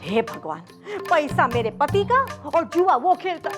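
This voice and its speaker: An actress playing a tearful young housewife with a Gujarati accent, pleading in Hindi mixed with Gujarati words in a TV sitcom. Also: female voice, high voice, sing-song, measured pace, music in the background. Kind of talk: sitcom acting.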